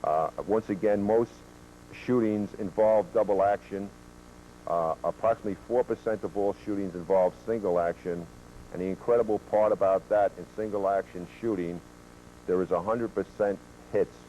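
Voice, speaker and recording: A man who is a police officer giving a training lecture, presenting statistics in a measured way with occasional fillers, heard from a worn VHS tape copy. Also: fairly low pitch, steady tone, dark tone, muffled recording. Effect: worn VHS tape copy with hum.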